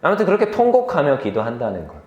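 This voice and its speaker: A young man preaching a sermon to a youth group, telling stories from his life in a lively way, laughing easily and asking the listeners questions. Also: fairly high pitch, reverberant, muffled recording. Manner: lively storytelling, quick to laugh; asks the listeners questions directly.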